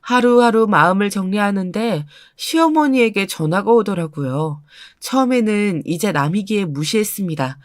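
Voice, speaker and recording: Woman storyteller, first-person narration, calm recounting, dry close voice. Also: mid-range voice, normal speed, no echo.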